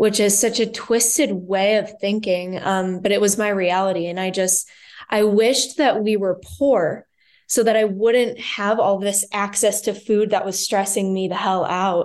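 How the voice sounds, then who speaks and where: Against a quiet background, a woman with an ordinary speaking voice talks at medium pitch and a fairly slow pace, her intonation fairly even. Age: young. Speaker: author, eating disorder recovery. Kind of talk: interview conversation.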